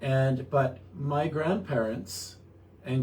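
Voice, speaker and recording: A man with a Canadian accent, medium in pitch, somewhat breathy and with a dark, mellow tone, amid audible room echo. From Canada. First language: German. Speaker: festival organizer. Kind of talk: radio interview.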